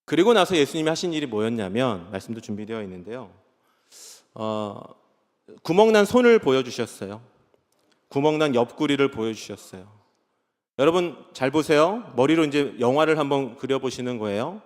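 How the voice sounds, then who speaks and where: A male pastor delivering a conversational revival sermon, asking the congregation questions and acting out quoted speech in a soft, low voice. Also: big pitch swings, moderate pace. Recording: long hall reverb.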